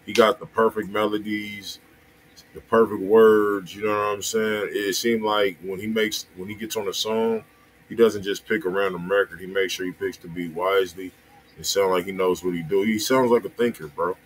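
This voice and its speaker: American dude chatting on a music stream, slangy and rambly, kinda low voice, faint room noise. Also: male voice, fairly even intonation, moderate pace, poor audio. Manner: slangy, rambling, repeats himself. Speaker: music review co-host. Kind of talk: casual livestream chat and feedback.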